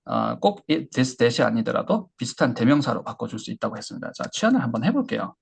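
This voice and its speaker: A man teaching English pronunciation in a lecture, explaining step by step and modeling phrases slowly for learners to repeat. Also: mid-range voice, sing-song, gravelly, breathy edge. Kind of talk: online lecture.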